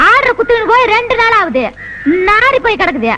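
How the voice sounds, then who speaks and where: An actress playing a sharp-tongued, bossy poor village woman in an old film comedy. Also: extremely high pitch, sing-song, fast talker, noisy background. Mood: scolding. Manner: scolding, bossy. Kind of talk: 1980s Tamil film comedy.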